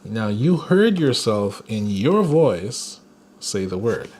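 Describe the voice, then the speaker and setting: A man giving a guided spiritual lesson, talking slowly and deliberately and chuckling now and then. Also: fairly low pitch, big pitch swings, darkish tone, slightly rough. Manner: slow, deliberate, with playful chuckles. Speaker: spiritual teacher.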